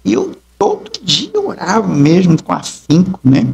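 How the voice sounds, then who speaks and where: A man's voice: sits high, wildly swooping pitch, unhurried, vocal fry, darkish tone. A middle-aged man, an apostle and preacher, telling his testimony emphatically in an interview and acting out the dialogue. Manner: emphatic storytelling, acts out dialogue.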